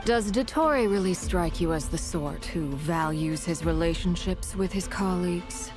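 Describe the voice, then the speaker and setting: A woman playing a composed, calculating noblewoman officer in a video game, speaking formally and with measured poise. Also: fairly low pitch, music in the background, natural voice. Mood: guarded.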